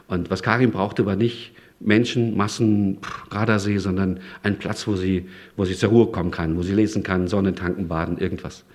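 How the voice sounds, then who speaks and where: A man delivers a sermon with an animated, emphatic manner. His voice often climbs and swells as he drives a point home, then drops back to a quieter, conversational tone. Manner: lively, emphatic, with sudden rises in pitch and loudness. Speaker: preacher.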